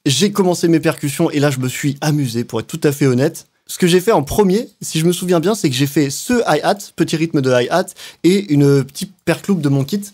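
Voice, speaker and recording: A man giving a relaxed, slangy walkthrough of how he built a beat, now and then mouthing sounds and rhythms. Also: on the high side, fairly quick, husky. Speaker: music producer. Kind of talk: casual beatmaking walkthrough. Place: home studio.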